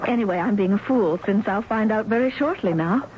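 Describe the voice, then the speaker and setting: A woman's voice: mid-range voice, fairly quick, lightly acted. An actress playing a composed, determined young woman in a 1970s radio drama. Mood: composed, polite. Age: young adult. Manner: composed, firm, self-reliant. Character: determined, uneasy young woman seeking her father. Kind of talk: 1970s radio drama acting with first-person narration. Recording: muffled, very noisy old radio broadcast.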